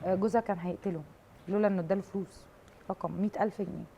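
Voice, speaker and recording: A woman's voice: medium pitch, steady tone, racing, creaky, mellow, a little hiss or hum. A woman with an Egyptian accent hosting a prank show, accusing and insistent as she presses her guests. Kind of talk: staged confrontation on a prank show.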